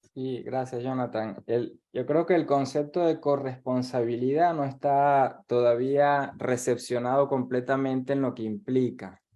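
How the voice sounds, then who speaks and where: Hardly pausing, a man speaks fairly slowly in a dark, mellow tone at medium pitch with fairly even intonation. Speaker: theologian. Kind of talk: webinar discussion.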